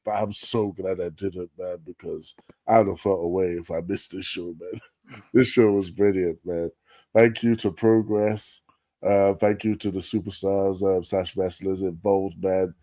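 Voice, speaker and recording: A man's voice: low-pitched, fairly even intonation, unhurried, dark tone, dry recording. A man co-hosting a wrestling podcast, chatty and casual, filling his talk with "like" and "man". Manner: chatty, lots of likes and mans. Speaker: co-host.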